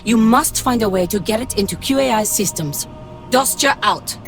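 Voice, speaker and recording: A woman's voice: fairly high pitch, lively intonation, normal speed. An actress playing a stern, formal female military commander in a game cutscene, speaking in clipped orders over music. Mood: briefing. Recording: game audio with loud music behind.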